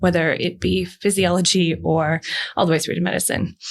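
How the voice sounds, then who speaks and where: Vocal fry marks this woman's fairly low voice, which has ordinary pitch variation and moves at a fairly quick pace. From Canada. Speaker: business leader. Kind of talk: interview. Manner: animated.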